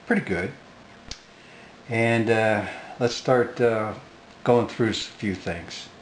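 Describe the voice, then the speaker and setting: A man talking casually about his hobby, unhurried and hesitant, with lots of fillers, in a home workshop. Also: fairly low pitch, slight background noise. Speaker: hobbyist radio collector. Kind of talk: casual talk to camera.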